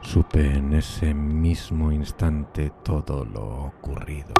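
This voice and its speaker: Guy doing a super deep undead loner telling his gothic horror tale, solemn n theatrical, pretty contained pitch, music behind. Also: gravelly, exaggerated voice. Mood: haunted, horrified. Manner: solemn, theatrical, deliberate literary delivery. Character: solitary male undead outcast, anguished, brooding, gothic horror narrator. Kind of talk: dramatic gothic horror audio drama narration.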